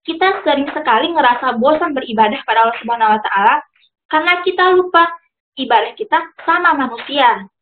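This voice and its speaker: A woman's voice: high-pitched, lively intonation, brisk, a little hiss or hum. A young woman giving a chatty religious talk, telling a personal story with many fillers and the odd English phrase. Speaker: speaker. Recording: tinny phone-line audio.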